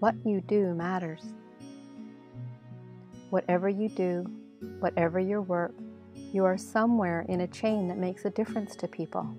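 A woman at a moderate pace, calm and soothing in tone, with long, frequent pauses and music in the background. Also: medium pitch for a woman, ordinary pitch variation. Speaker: meditation guide. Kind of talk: guided meditation. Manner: calm, soothing.

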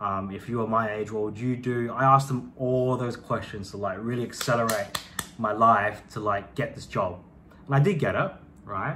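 Over noticeable background noise, a man speaks at medium pitch and a moderate pace with ordinary pitch variation. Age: 20s. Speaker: vlogger. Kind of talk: casual monologue to camera. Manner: rambling, filler-heavy. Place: home room. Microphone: phone near.

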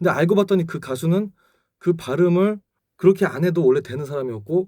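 Talking at a very fast pace, a man with a fairly high pitch and a dark, mellow tone makes very wide pitch swings. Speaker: vocal coach. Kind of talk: casual talk to camera. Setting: vocal booth in studio.

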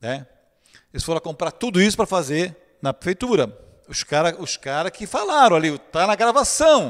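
A high-pitched man's voice with very wide pitch swings, at a moderate pace against a quiet background. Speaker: TV talk show host. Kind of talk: live TV talk show. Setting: TV studio. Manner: repetitive, halting. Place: studio. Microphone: handheld.

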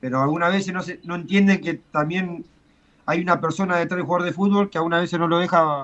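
A man with a high pitch, fairly even intonation and a very fast pace. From Argentina, Santa Fe. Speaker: professional footballer. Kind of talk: casual chat. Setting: video call. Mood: calm, reflective. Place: home room. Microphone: video call.

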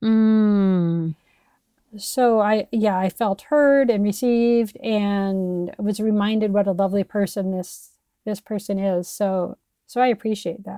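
A fairly slow, dark, mellow voice with an American accent and fairly even intonation, in a very clean, dry, close recording with a silent background and no echo. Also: woman, medium pitch for a woman. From US Midwest, Iowa. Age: 50s. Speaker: academic advisor. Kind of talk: casual interview chat.

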